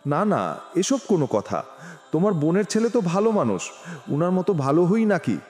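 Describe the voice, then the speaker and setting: A man's voice: sits high, very animated, normal speed, darkish tone, voice pushed up. A man voicing a sulky, pleading young woman. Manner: pleading, protesting. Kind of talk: storybook character voice. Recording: reverberant with music behind.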